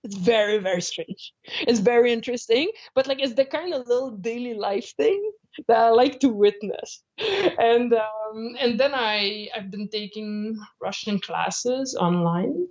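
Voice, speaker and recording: A young woman from Canada, chatting as a guest in a remote interview. She is animated, laughs often and acts out what people said. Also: a little high, a little slow, dull audio. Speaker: guest, traveling jiu-jitsu instructor.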